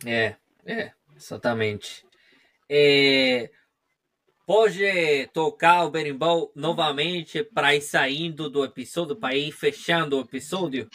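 Puerto Rican man, slow careful Portuguese. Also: a little high, fairly bright tone. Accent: Puerto Rican Spanish. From Puerto Rico. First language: Spanish. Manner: brief affirming interjections. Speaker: podcast host, historian. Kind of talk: casual interview in second language.

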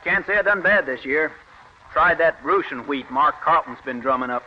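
An actor playing an easygoing, chatty farmer in an old radio drama. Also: male voice, a little high, expressive, moderate pace, lightly acted. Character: friendly male farmer neighbor. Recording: dull lo-fi old radio recording with faint hiss.

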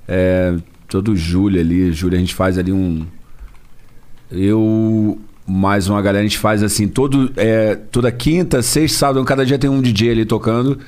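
A man's voice: fairly low pitch, steady tone, moderate pace, a little mellow. A man, a DJ guest on a podcast, chatting loosely and a little tipsy. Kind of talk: casual chat.

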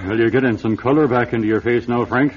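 A man playing a brisk, wry, reassuring Catholic bishop in an old-time radio drama, with an authoritative manner. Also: mid-range voice, steady tone, breathy edge, lightly acted. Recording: dull old radio recording.

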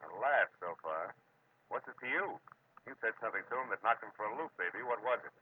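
Fast-talking hard-boiled private eye. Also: male voice, fairly low pitch, expressive, breathy edge. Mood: dry, probing. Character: hard-boiled male private detective, wry and cynical. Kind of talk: 1940s radio acting, scripted first-person narration. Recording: noisy, phone-like old radio recording.

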